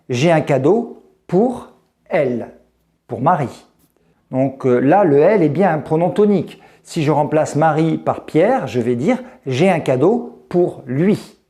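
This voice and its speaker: A male French teacher speaking slowly and deliberately, his voice rising and falling a lot as he lays out each point. His tone is mellow and soft-edged, and he gives the example words in a clear, careful delivery. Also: fairly high pitch. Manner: slow, deliberate, lively intonation. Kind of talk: explaining grammar to the viewer.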